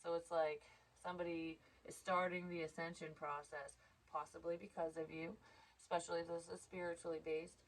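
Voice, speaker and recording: A woman's voice: on the low side, level tone, fairly quick, low-quality recording. A woman giving a casual psychic reading, stuffed up and congested, rambling and interrupting herself. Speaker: psychic tarot reader.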